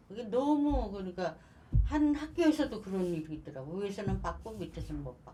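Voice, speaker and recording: Moderately paced speech from a woman at a medium pitch, with very wide swings in pitch. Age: 70s. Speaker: cleaning worker and union leader. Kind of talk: interview answer.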